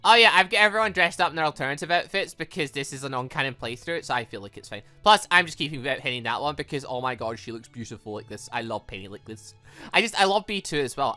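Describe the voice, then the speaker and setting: Man, gaming commentary, animated intonation, bright tone, chatty, excitable, rambling, faint music behind. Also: a little high. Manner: excitable, chatty, tangent-prone, thinking aloud. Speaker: host of a game playthrough series.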